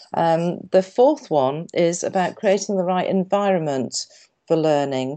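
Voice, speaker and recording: A woman's fairly low, dark, mellow voice in a northern English accent, at a moderate pace with ordinary pitch variation over a quiet background. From northwest England, west of the Pennines. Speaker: corporate trainer, accelerated learning expert. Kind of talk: interview conversation.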